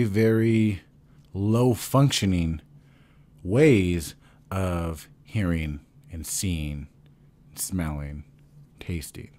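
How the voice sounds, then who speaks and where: A man's voice: on the low side, darkish tone. A man vlogging casually to camera, rambling and swearing freely.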